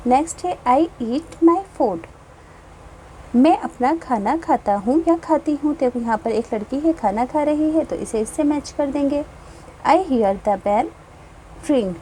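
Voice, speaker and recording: A woman teacher slowly explaining a children's English textbook, reading each line and giving its meaning. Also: sits high, mellow, a little hiss or hum, poor audio.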